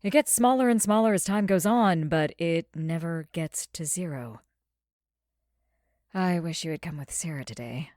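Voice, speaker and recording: A woman playing a concerned doctor in a naturalistic audio drama, measured and careful, gentle but firm. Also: on the low side, no echo, studio quality, close to an everyday voice. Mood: careful, grave. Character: concerned, tactful female physician.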